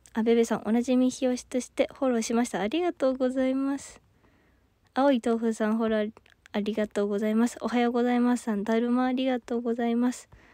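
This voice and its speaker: A woman talks very fast with a high pitch, a dark, mellow tone and fairly even intonation. The recording is very clean, with a silent background. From Okayama, western Japan. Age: 20s. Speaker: idol audition candidate. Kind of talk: livestream chat reading viewer comments. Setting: solo livestream. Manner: giggly, frequent laughter.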